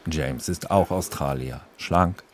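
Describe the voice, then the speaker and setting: Very deep-voiced man narrating a scripted feature. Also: takes it slowly, slight background noise. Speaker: reporter narrator.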